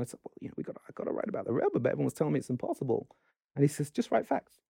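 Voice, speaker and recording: A man with a southern English accent and a dark, mellow tone, in a dry, close sound with no echo. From England (London). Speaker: rabbi and author. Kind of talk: casual interview conversation.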